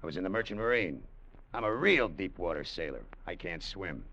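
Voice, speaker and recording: A cocky streetwise gambler. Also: male voice, low-pitched, expressive, bright, forceful tone, heavily acted. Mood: pushy. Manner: fast-talking, cocky, pushy. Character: brash gambler turned sailor, tough streetwise man. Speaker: narrator and lead. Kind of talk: 1940s radio acting. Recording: dull old radio broadcast.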